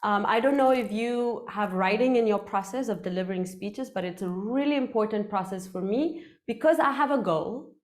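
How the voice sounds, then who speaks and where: Woman in her 30s, Afrikaans mother tongue, lively speaking-club trainer, medium pitch, headset mic. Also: moderate pace, hardly any pauses. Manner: animated, gestures a lot, playful. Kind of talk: workshop talk on public speaking.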